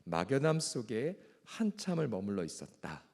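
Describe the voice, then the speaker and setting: Through a creaky, darkish medium-pitched voice, a male pastor leads a Bible lecture with reading and prayer, sing-song at normal speed. His throat is strained and ailing, his tone formal and earnest, and the church hall lends a long echoing reverb.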